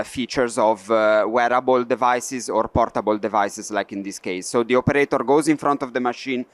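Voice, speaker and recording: A man's voice: mid-range voice, smooth, no echo. A man from Italy with an Italian accent, presenting a live workshop demo on a trade fair stage, hesitant with frequent fillers. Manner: hesitant, many "uh" fillers, non-native phrasing.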